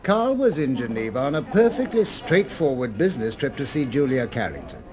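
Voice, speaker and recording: An actor in a radio drama playing a courteous, solicitous but sceptical gentleman with a polite, inquisitive manner. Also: mid-range voice, sing-song, fairly quick, a crowd in the background, lightly acted. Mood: puzzled, probing.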